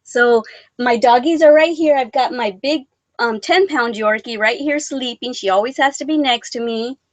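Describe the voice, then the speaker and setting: A woman's voice: a little high, moderate pace, no echo. A woman hosting a live stream, chatting casually and giggling as she talks to her viewers.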